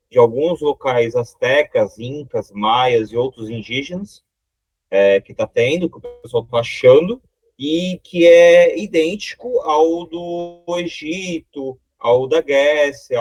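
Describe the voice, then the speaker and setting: A Brazilian man hosting a relaxed chat, wandering through a thought and restarting words as he goes. His voice sits at an ordinary pitch. The sound is dry and close, as on a video call. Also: no echo. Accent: Brazilian Portuguese. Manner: rambling with restarts. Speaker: interview host. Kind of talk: casual interview chat.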